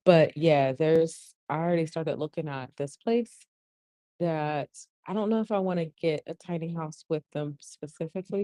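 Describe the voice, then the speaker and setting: A woman in her forties, speaking, hosting a casual livestream. She talks softly to keep her voice down, reads viewer comments aloud and laughs often. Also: low voice, no echo. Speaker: livestream host. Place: shared co-working space. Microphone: earphones mic.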